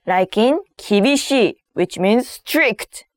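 A high-voiced woman presents a language lesson with bouncy, highly animated intonation. She sets out each word separately, like a presenter working from a script. The sound is close and dry. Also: slow pace, dry recording. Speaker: host of a kanji lesson series.

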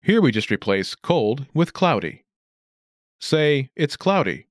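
A man narrating a scripted language lesson as an instructor, enunciating clearly and deliberately. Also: medium pitch, very animated, noisy background.

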